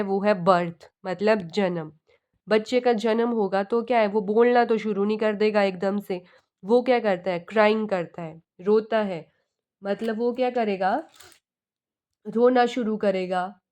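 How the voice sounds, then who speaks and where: A woman's voice: medium pitch, a little mellow. A young woman teaching an exam-prep lecture in with terms, explaining step by step and asking and answering her own questions.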